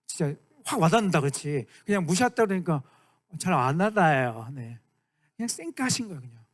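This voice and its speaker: A man in his thirties, a youth pastor giving a lively sermon to high school students and often asking them to agree. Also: brisk. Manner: animated, keeps asking the room for agreement; acts out quoted lines in dramatic voices.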